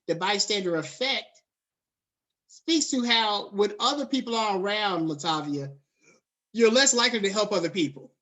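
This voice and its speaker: A middle-aged man lectures his students in an easy, conversational way. He mixes textbook terms with relaxed slang and talks to the class directly. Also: sits high, moderate pace. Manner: conversational, drifts into casual slang. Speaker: college lecturer.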